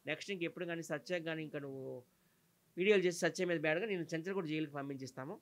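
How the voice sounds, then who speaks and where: Fast, indignant man. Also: a little high. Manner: indignant, rapid, emphatic listing. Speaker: interviewee. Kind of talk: heated interview complaint.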